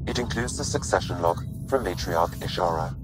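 A man's voice: low-pitched, lively intonation, fairly quick, music in the background, low-quality recording. A man acting as a composed artificial intelligence assistant in a sci-fi video game. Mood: calm, informative.

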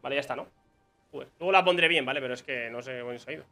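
A man's voice: mid-range voice, very fast, bright, forceful tone, soft background music. A young man with a Spain Spanish accent giving casual live commentary on his own gameplay, muttering to himself and exclaiming when surprised. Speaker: gaming streamer.

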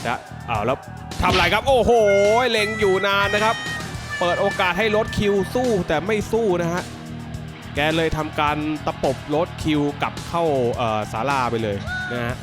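A man hosting a gaming video, giving excited gameplay commentary full of exclamations as he reacts aloud to the action. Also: high-pitched, moderate pace, music in the background.

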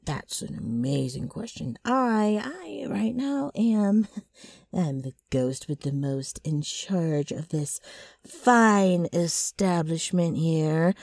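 Low, raspy, brash ghoul girl. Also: a little mellow, no room sound, exaggerated voice. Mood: wry, boastful. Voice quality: rough, raspy. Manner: rambling, flustered salesman-like patter with throat clearing. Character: gross, brash, scheming female ghoul ghost. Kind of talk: ASMR character roleplay addressed to listener.

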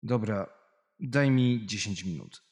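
A man's voice: fairly low pitch, lively intonation, slow pace, darkish tone. A man playing an exhausted, irritable investigator woken at night, in a horror audio drama. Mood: tired, irritated. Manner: weary, grumbling.

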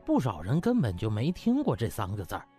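Guy reading a funny audiobook, super animated, bit husky, faint music under it. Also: medium pitch, fairly quick. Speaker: audiobook narrator. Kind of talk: lively comic novel narration.

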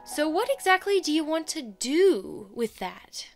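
High, animated, bubbly college girl, played by a woman. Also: measured pace, music in the background, heavily acted. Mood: chatty, upbeat. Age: young adult. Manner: chirpy, chatty, breezy. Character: bubbly, chatty young college theater student. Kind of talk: audio drama acting.

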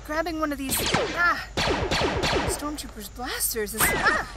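A woman's voice: sits high, big pitch swings, unhurried, heavy background noise. A woman playing a plucky, wisecracking rebel fighter and pilot in a fan-made sci-fi audio drama. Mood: tense, determined.

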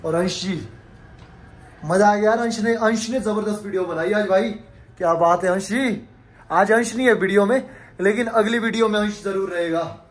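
A man's voice: sits high, normal speed. Chatty young man vlogging in a gym. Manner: chatty, pleading with viewers, loud when greeting members. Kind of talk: casual vlog chat to camera. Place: indoor gym. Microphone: handheld camera at arm's length. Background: music.

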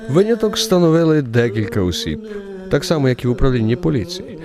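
A male storyteller narrates a radio play with theatrical, wry flair. His intonation rises and falls freely over clearly audible music. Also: medium pitch, big pitch swings, quick pace. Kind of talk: expressive literary narration for radio drama.

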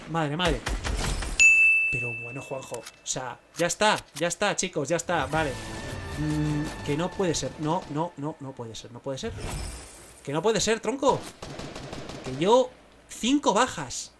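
Young male gamer with a Spain Spanish accent, voice somewhat high, live commentary, excitable, bursts into exclamations. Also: measured pace, pauses often, over music. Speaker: gaming streamer.

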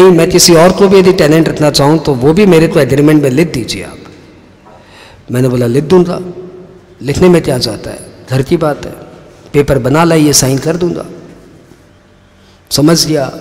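A man's voice: a little high, a little mellow. Storytelling man lecturing in a hall. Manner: chatty, storytelling, acts out dialogue. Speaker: tax lecturer. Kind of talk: classroom lecture with examples.

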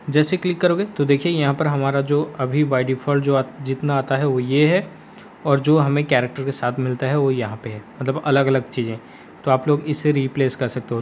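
A man with an Indian accent explaining steps in a casual gaming screen tutorial, repeating his instructions as he goes. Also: mid-range voice. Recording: faint background noise.

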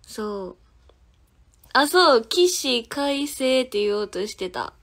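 On her phone livestream, a Kansai-accented idol singer in her twenties replies to each viewer comment in turn, giggling and chatting casually. Her female voice is high-pitched and fairly bright, with a slow, sing-song delivery.

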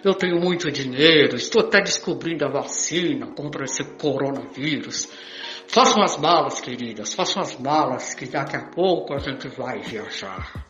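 A man's voice: mid-range voice, lively intonation, moderate pace, a bit bright, close to an everyday voice. A man playing a rich, boastful womanizer coaxing his many lovers in an amateur radio soap. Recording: dull lo-fi recording, music behind.

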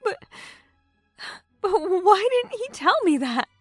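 A woman's voice: extremely high pitch, very animated, slow, no room sound, soft background music, heavily acted. An actress playing an anxious, earnest young woman in an audio drama.

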